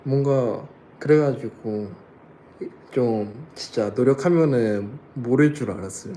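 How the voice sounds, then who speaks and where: A man's voice: mid-range voice, slow pace, warm tone, slight background noise, rough recording. A young man casually chatting with fans on a livestream, laughing often and answering comments. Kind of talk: casual live chat reading comments.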